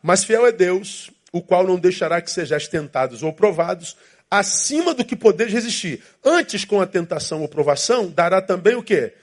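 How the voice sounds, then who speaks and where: A man's voice: high-pitched, lively intonation, normal speed. A man preaching a sermon as pastor, with emphatic repetition and inner voices acted out.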